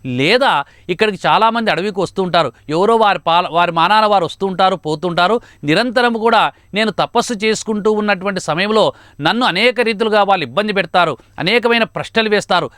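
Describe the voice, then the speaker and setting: A man's voice: sits high, fairly quick, fairly bright tone, dry recording, clean studio sound. A man narrating a devotional epic story in a sermon style, with emphatic, repetitive retelling. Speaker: religious storyteller. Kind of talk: devotional epic discourse with chanted verses.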